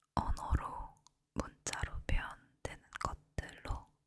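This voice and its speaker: A woman is whispering. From Korea. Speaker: ASMR creator. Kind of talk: ASMR whispering about daily routine and audiobooks. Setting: ASMR microphone with nail tapping sounds. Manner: whispered, soft-spoken. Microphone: studio mic.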